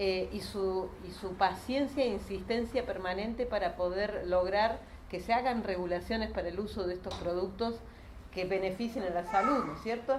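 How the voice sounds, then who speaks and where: A woman with a Cordoban accent speaks at a moderate pace and medium pitch, her pitch varying in an ordinary way, with audible room echo and noticeable background noise. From Córdoba, Argentina. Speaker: social organization leader and parliamentary staff. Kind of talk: panel talk. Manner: halting.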